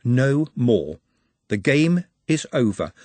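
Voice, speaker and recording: A man voicing a polite, precise male orc who stays menacingly calm and speaks in formal, pedantic phrases. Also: mid-range voice, slow pace, no room sound. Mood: calmly menacing.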